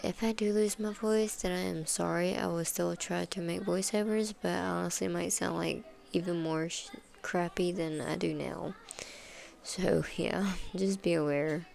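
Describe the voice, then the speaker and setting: Congested woman, gameplay voice-over host, flat and rambling delivery. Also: fairly low pitch, gravelly. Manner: rambling, casual, many fillers. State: congested from sinus trouble. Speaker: gaming video host.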